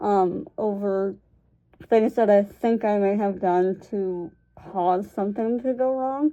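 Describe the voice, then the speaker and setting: Her tone is dark and mellow, with ordinary pitch variation. The woman speaks at a very slow pace. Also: medium pitch for a woman. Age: 20s. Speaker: YouTuber. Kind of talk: vlog monologue. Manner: stuttering, halting.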